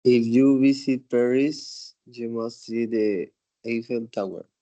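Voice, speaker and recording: A man's voice: mid-range voice, fairly even intonation, slow, warm tone, muffled recording. A male student answering the teacher's questions in class, hesitant and thinking aloud.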